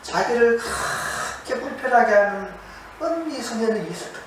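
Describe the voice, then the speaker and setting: A man's voice: very high voice, animated, moderate pace, fairly bright tone. A man preaching a sermon from a monastery to an audience, asking them questions and repeating key words for emphasis. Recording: very echoey, distant mic, faint noise.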